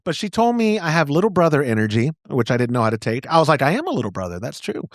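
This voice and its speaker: A man's voice: on the high side, sing-song, quick pace, dry recording, clean studio sound. Jokey man with a bouncy voice. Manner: jokey, self-mocking, breaks into silly sung bits. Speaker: podcast co-host. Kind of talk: casual banter and ad reads.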